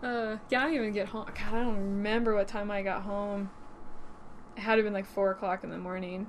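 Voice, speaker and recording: A woman's plain, everyday voice at a medium pitch, with a fairly quick pace and fairly even intonation. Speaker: podcast co-host. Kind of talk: casual chat.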